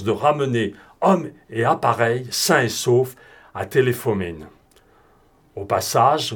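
A man narrating an adventure novel as an audiobook reader, in a steady, clear reading. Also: mid-range voice.

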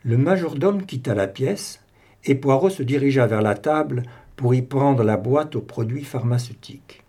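A man narrating a detective audiobook in a measured storytelling manner. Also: mid-range voice, dark tone, slightly rough.

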